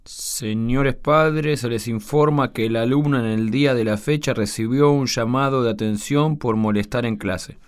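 A man's voice: mid-range voice, moderate pace, few pauses, smooth, lightly acted. A man with an Argentine accent acting a defensive, hesitant teenage school pupil in a radio drama. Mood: reading aloud. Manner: hesitant, self-justifying. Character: defensive male secondary school pupil, naive and apologetic.

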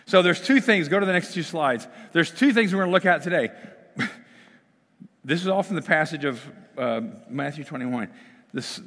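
A middle-aged man preaching a sermon in a relaxed, conversational way, stumbling and restarting as he goes. His mid-range voice is a little hoarse, as if he is losing it. The sound rings with the long reverb of a church sanctuary. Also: medium pitch. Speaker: pastor. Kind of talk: sermon with prayer.

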